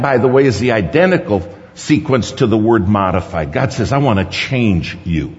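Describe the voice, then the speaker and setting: A man preaching a sermon in a large conference hall, emphatic, dropping to hushed low lines and rising to sudden high stresses, in a dull recording with long hall reverb.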